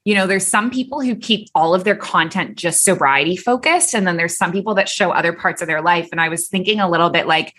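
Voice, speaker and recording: A woman's voice: lowish voice, fairly quick, few pauses, fairly bright tone, breathy edge. A woman from Canada hosting a podcast, upbeat and enthusiastic with her guest. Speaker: podcast host. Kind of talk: podcast interview.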